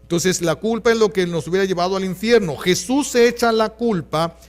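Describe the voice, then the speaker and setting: A Catholic priest with a Mexican Spanish accent preaching a sermon in an earnest, pastoral way, repeating key phrases for emphasis. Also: male voice, sits high, a little fast, soft background music.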